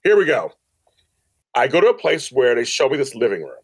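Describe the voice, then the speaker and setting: A man's voice: mid-range voice, very animated, brisk, breathy edge, no room sound. A man in his fifties speaking as an interview guest, telling stories casually and emphatically, repeating phrases and acting out quoted dialogue. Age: 50s. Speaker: podcast guest, professional organizer. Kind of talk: animated storytelling in a casual interview.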